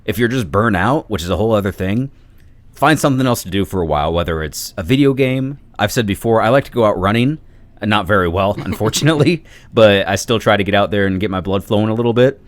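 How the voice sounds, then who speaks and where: A man's voice: on the low side, animated, fast talker, dry recording. A man chatting casually as a podcast guest, talkative and informal, rambling through his thoughts. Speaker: podcast guest, video creator.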